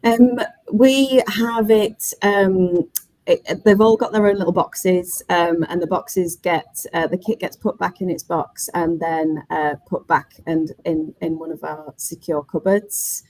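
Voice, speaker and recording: A woman's voice: fairly low pitch, little pitch movement, a little slow, a little mellow, no room sound, poor audio. A woman on a webinar panel explaining practical matters informally, chatty and spelling things out step by step. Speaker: workspace operator, panellist.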